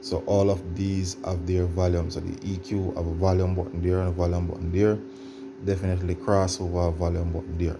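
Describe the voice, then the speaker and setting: Deep-voiced man giving an informal tutorial. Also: little pitch movement, fairly quick, noisy background. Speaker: tutorial presenter. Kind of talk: informal how-to demonstration.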